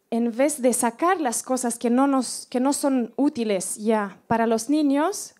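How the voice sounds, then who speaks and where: A woman with a high voice and a slightly mellow tone speaks at a public talk. She is unscripted, laying out her question as an audience member. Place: auditorium.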